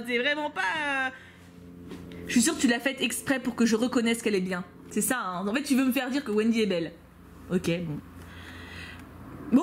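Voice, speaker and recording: A woman's voice: a little high, a little hiss or hum. A young woman from France opening fan mail for her viewers, gushing and teasing, often stumbling over repeated words. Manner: gushing and excitable, stammering repeats; playful teasing asides. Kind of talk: casual unboxing vlog, talking to viewers.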